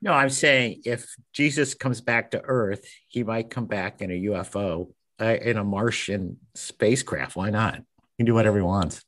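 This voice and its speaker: A man's voice: lowish voice, normal speed, fairly bright tone. A man hosting a cartoonist podcast in casual chat, with dry, teasing humor.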